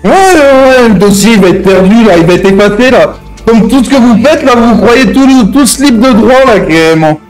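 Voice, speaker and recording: A man's voice: very high-pitched, lively intonation, normal speed, few pauses, soft background music, low-quality recording. A man playing an aggrieved, crude, threatening hostage-taker out for revenge in an improvised online game roleplay, swearing and repeating his verbal tics. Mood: indignant. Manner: verbal tic-laden, crude, ranting, swearing.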